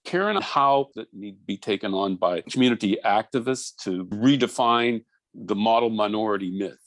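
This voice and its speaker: A man's voice: lowish voice, moderate pace, dry recording. A man moderating a panel, brief and polite as he passes questions to the guests.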